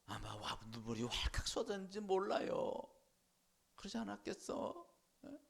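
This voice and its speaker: A man preaching a Sunday sermon in a church, with a slightly high voice that climbs and falls widely. His tone is gravelly and rough, and he keeps turning to the congregation to ask for a reply. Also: normal speed. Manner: animated preaching, asks the congregation for responses, acts out voices. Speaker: pastor.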